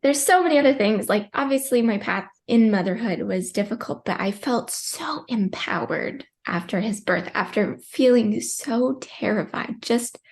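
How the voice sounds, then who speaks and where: A woman's voice: mid-range voice, darkish tone. A young woman in her twenties, a podcast guest telling a personal birth story in a chatty, emotional way with many fillers. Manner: tearful at times, chatty with many likes.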